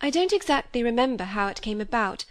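A woman voicing an earnest young woman recounting events carefully, pitched higher than her narration. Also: big pitch swings. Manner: higher, quick and careful telling.

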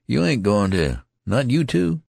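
An anxious young soldier, as a male reader acts him out, speaking in urgent, startled questions. The voice is pushed high above a gravelly, husky base. The sound is close and dry. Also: sing-song, moderate pace, mellow, no echo, full character voice. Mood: alarmed.

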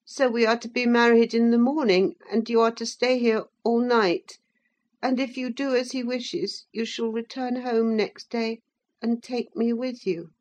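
A woman's voice: fairly high pitch, fairly even intonation, measured pace, darkish tone, voice pushed up, close to an everyday voice. A woman voicing a sickly, selfish boy with a whiny, petulant manner. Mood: whining.

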